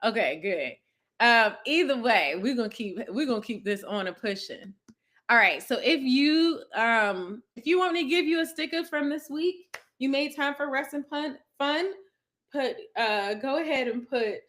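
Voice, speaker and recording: A woman's voice: sits high, expressive, a little slow, fairly bright tone. A woman lifestyle coach, hosting a casual live stream from her couch at home, greeting viewers and reading their comments aloud in an effusive, chatty way.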